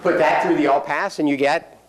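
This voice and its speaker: A man's voice: fairly high pitch, fairly even intonation, brisk, a little hiss or hum. A man giving a university lecture, explaining step by step with dry jokes and frequent "um"s. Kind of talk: classroom lecture.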